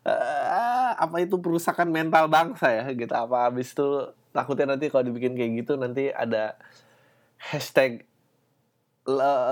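A man hosting a solo podcast, talking in a rambling, slangy, profane way with lots of fillers. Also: medium pitch. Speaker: podcast host. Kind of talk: casual solo podcast monologue.

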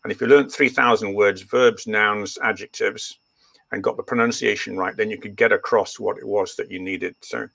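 An older man, raised in East Africa with Swahili as his first language, recounts his past in a rambling way, full of ums and false starts. His voice is somewhat low and bright. The sound is dry and close. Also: steady tone, normal speed, vocal fry, dry recording. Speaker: guest, veterinarian. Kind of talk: relaxed interview storytelling.

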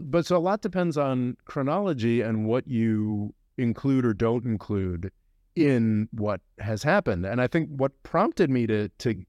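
A man talks through his views on a podcast in a loose, rambling way, firmly opinionated. His voice sits at an ordinary middle pitch. The sound is dry and close. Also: a little mellow, dry recording. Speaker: podcast host. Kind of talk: casual podcast discussion.

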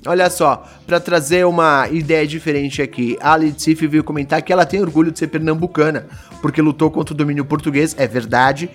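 A Brazilian man casually arguing his views in a group discussion, blunt and animated, firing off rhetorical questions. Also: a little high, fairly quick, faint music behind.

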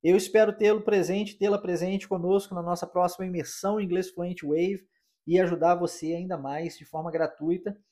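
A Brazilian man hosting a podcast English lesson, explaining in Portuguese and slowly repeating English phrases to practise. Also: sits high, flat delivery, dark tone. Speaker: English teacher and podcast host.

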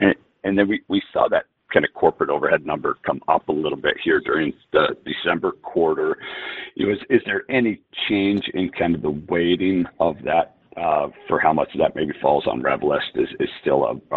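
A man's voice: a bass voice, fairly quick, slightly rough. A man working as a financial analyst, casually asking business questions on an earnings call. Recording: dry narrow phone line.

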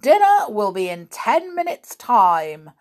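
A woman's voice: on the high side, very animated, takes it slowly, voice pushed up. A woman voicing a stern, bossy male schoolmaster who roars his orders. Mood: roaring. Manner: shouting, barking orders.

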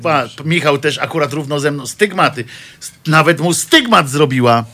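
A man's voice: on the high side, animated, moderate pace, bright, forceful tone. A man giving casual satirical commentary as a regular on a weekly show. He rambles and hesitates with many restarts, mocking news stories with dry sarcasm. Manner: mocking the press and clergy with dry jokes.

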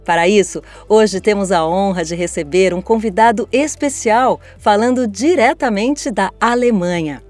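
A woman's voice: mid-range voice, normal speed, few pauses, darkish tone, no room sound, soft background music. A woman with a Brazilian accent presenting a podcast from a script as its host, in a formal, articulate manner.

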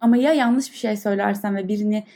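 A woman's voice: mid-range voice, fast, warm tone. A woman speaking earnestly and thoughtfully, with small halts, like a podcast host leading a reflective meditation talk.

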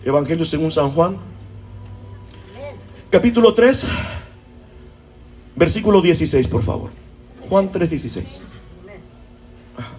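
A man's voice: fairly high pitch, lively intonation, unhurried, pauses often, darkish tone, faint music behind. A pastor preaching a sermon to his church, often throwing rhetorical questions at the congregation. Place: church service.

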